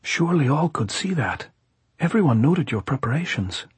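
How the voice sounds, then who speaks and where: A man's voice: a little high, sing-song, moderate pace, breathy edge, dry recording, pitched above the performer's own voice, exaggerated voice. A man voicing a tipsy, mocking gypsy guerrilla in an audiobook novel, urging insistently in stilted old-fashioned phrases. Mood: urgent, questioning.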